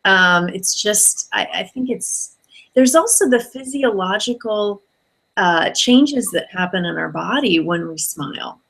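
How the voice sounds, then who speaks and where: A woman's voice: mid-range voice, animated, unhurried, vocal fry, fairly bright tone. A woman hosting an interview and coaching, affirming her guest in a friendly way with fillers. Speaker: host and business coach. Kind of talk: conversational interview.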